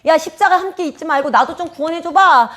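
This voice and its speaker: A woman's voice: very high voice, quick pace, a bit bright, pitched above the performer's own voice. A woman doing a jeering male criminal. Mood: mocking. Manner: jeering, taunting. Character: mocking male criminal on a cross.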